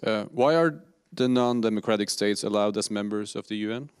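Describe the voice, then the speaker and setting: A man's voice: fairly low pitch, fairly quick, clear, resonant tone. A man from Norway moderating an audience Q&A and reading out questions with hesitant fillers. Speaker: event moderator.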